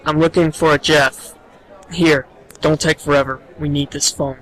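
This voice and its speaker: A man's voice: on the high side, little pitch movement, normal speed, a bit bright, close to an everyday voice, poor audio. A man playing a matter-of-fact bartender at a biker bar in an amateur audio drama, brusque and businesslike.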